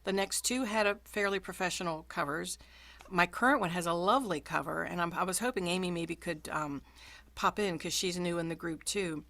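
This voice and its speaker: A woman's voice: lowish voice, brisk, gravelly, a bit bright. A woman audiobook narrator hosting a casual video call chat, talking with plenty of ums and friendly encouragement.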